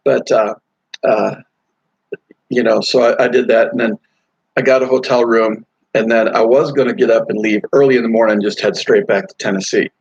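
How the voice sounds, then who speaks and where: A man's voice: lowish voice, steady tone, normal speed, creaky, breathy edge, no echo. A middle-aged man chatting casually on a live stream, rambling with lots of fillers and restarts. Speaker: motorcycle vlogger live streaming. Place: hotel or rest stop while traveling. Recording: dull lo-fi dry sound.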